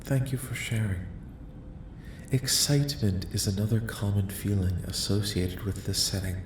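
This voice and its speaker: Soft-spoken, echoing alien researcher played by a man. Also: steady tone, close to an everyday voice. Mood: calm, curious. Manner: formal, clinical, measured questioning. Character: curious, polite, detached alien researcher studying human dreams. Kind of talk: soft-spoken ASMR roleplay. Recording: echoing voice with faint rumbling noise.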